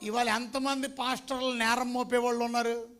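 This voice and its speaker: A male preacher with a strikingly high, bright voice delivers an emphatic sermon. He keeps firing questions at the congregation and slips English phrases into his speech. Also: level tone, moderate pace. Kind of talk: Telugu sermon.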